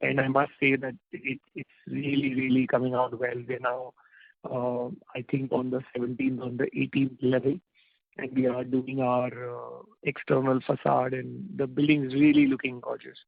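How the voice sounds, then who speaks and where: A man with an Indian accent answers investor questions as a company executive, in informal, halting phrasing. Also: medium pitch, gravelly, no room sound. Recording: tinny, dry phone line.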